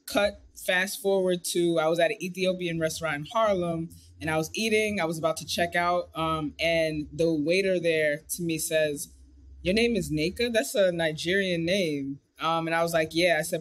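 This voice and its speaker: An American woman speaks as a guest director on a video call. Her voice is on the low side for a woman, and she tells personal stories in an animated, informal way. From United States. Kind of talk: casual personal storytelling. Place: indoor room on a video call.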